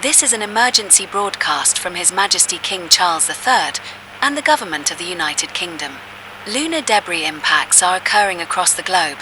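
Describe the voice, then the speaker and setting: A woman's voice: on the low side, lightly acted. A woman playing a grave government announcer, reading a formal emergency broadcast in a composed, official way. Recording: clearly noisy emergency broadcast.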